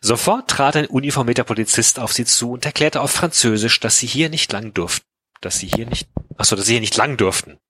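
A man with a bright, forward and slightly husky voice co-hosts a casual podcast, reading a story aloud and dropping dry asides. The sound is close and dry, with no room around it. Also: medium pitch, fairly quick, no room sound.

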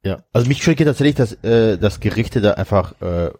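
A man's voice: lowish voice, animated, fairly quick, darkish tone, no echo, clean studio sound. A man hosting a casual podcast chat, talking colloquially and with indignation. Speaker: podcast host.

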